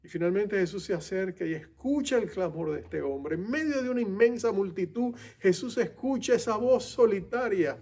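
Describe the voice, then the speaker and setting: Male pastor mid-sermon, gravelly texture, urgent and heartfelt, addresses the listener directly. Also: sits high, lively intonation, normal speed, hardly any pauses. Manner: passionate, swings from loud urgent to soft intimate.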